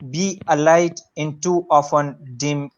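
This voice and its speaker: Brief: male interview host, slightly high voice, eager, many "uh"s, dull lo-fi sound. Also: steady tone, slow pace. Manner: enthusiastic, hesitant fillers. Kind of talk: online interview. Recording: muffled lo-fi audio.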